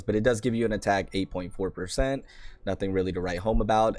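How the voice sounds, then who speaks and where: Gaming host, man, voice shot and hoarse, low-ish, casual rambling guide talk. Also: darkish tone. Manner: chatty, rambling, self-deprecating. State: hoarse, worn-out voice. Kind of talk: casual game guide commentary.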